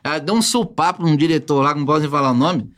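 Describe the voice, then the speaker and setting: Brief: a fifties male guest spinning anecdotes, lively and slangy, fairly high voice, talking fast. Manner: animated, slangy, acts out quotes. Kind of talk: storytelling in casual podcast chat.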